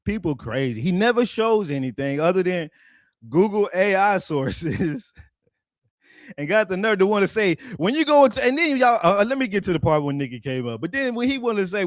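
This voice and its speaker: A man with a fairly high voice rants casually to his audience, swearing freely and laughing between jabs. The sound is dry and close, with no room echo. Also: big pitch swings, a little fast. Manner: profane, laughing, mocking. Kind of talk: casual ranting commentary.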